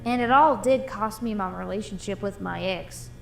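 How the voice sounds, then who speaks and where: A woman's voice: mid-range voice, moderate pace, vocal fry, soft background music, close to an everyday voice. A woman playing a tough but bashful female boxer, a cartoon animal in an audio drama, talking colloquially. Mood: regretful, resolute.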